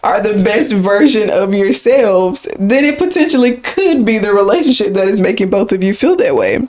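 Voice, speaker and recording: Woman podcast co-host, casual chat, mid-pitched voice, lively emphasis. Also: normal speed. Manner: conversational, rambling, lively emphasis.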